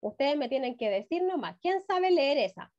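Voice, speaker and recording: A woman's voice: high-pitched, big pitch swings. A woman teaching a first-grade reading class over a video call, praising often and drawing words out. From Chile. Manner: warm encouraging praise, drawn-out words, frequent "muy bien". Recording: dull lo-fi video call audio.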